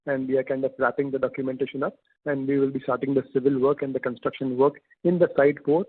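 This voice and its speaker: A man giving a formal business update as a company executive, speaking in measured, halting short phrases. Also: mid-range voice, husky. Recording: echoey, tinny phone-line conference call.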